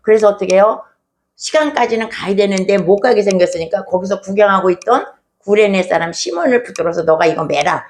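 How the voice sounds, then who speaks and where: A woman's voice: medium pitch, fairly quick, darkish tone. A woman pastor preaching a sermon in a conversational storytelling way, often asking rhetorical questions.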